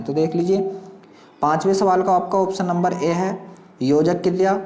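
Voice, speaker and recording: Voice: medium pitch, mellow. Echoey room, exam coaching teacher, reading questions and options aloud, repetitive direct address to learners.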